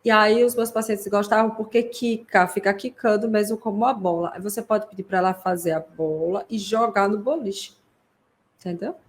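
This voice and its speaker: A woman's voice: medium pitch, steady tone, moderate pace. A woman hosting a casual video call interview, a therapist who offers supportive, practical suggestions. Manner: supportive, brief affirmations. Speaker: host, therapist.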